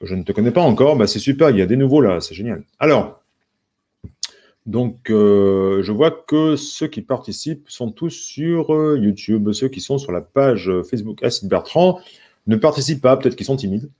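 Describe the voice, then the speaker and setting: A man's voice: mid-range voice, lively intonation, moderate pace, mellow. A French man teaching a live songwriting lesson, patiently counting syllables with viewers and greeting them by name. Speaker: music teacher.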